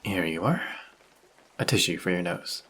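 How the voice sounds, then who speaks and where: Rain patters behind a low, husky male voice at a normal speed. He's voicing a polite, caring vampire stranger in an intimate roleplay drama, soft-spoken and reassuring with light teasing, in a gentle, earnest mood.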